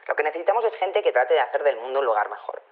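Opinionated female leader, audio drama phone interview, telephone filter, very animated intonation, chatty, emphatic. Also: a bass voice, rapid-fire, heavily acted. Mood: indignant. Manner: chatty, emphatic, repeats herself. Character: chatty, opinionated woman in charge of a utopian community. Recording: thin phone-line sound.

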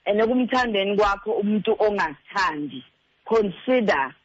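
A man's voice: high voice, animated, normal speed, dry recording, muffled recording. A man with a South African Xhosa accent giving earnest, direct advice as a relationship counsellor, stressing points by repetition. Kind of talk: earnest advice, mixing in two languages.

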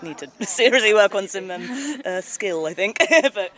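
A woman's voice: mid-range voice, animated, measured pace, fairly bright tone. A woman, a beginner tennis player, chatting self-deprecatingly on an outdoor court.

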